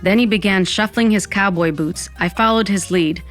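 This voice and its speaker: A woman's voice: medium pitch, moderate pace, faint music behind, lightly acted. A woman playing a wry Latina narrator who tells her own story in an audio fiction podcast. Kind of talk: scripted first-person narration.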